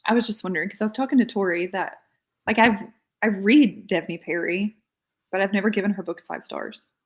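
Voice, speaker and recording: A woman's voice: medium pitch, a little fast. A woman chatting casually about books as a fellow panelist on a readalong.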